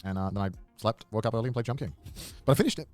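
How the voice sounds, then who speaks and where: A man with a somewhat low voice co-hosting a casual podcast. He talks very fast and drops teasing remarks at his friends. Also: animated, darkish tone, soft background music. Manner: teasing, quick interjections. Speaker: podcast co-host. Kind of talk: casual chat among friends.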